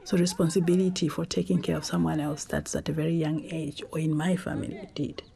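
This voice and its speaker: A Zambian woman whose first language is Tonga, telling her life story in a reflective, unhurried way with pauses and restarts. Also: low-pitched, little pitch movement, gravelly, a crowd in the background. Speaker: documentary interviewee.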